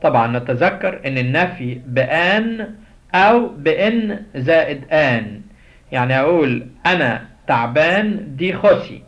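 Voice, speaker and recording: A man with an Egyptian Arabic accent teaching a language lesson. He says each word and phrase slowly and repeats it as a drill. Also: fairly high pitch, expressive. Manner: slow, drilled repetition of words. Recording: dull lo-fi audio.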